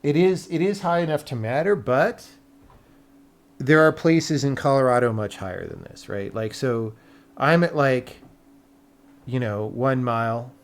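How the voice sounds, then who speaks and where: A man's voice: mid-range voice, a little slow. An American man talking casually on a livestream as a game developer, blunt and sweary, thinking aloud as he explains things to viewers.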